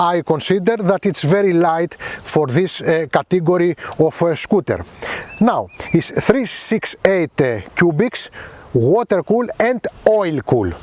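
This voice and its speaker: A man with a Greek accent talks fairly slowly in a high voice, the sound dry and close with no echo but with noticeable background noise. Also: lively intonation, very even loudness. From Greece. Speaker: motorcycle reviewer. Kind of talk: product review while riding. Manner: halting, with many fillers.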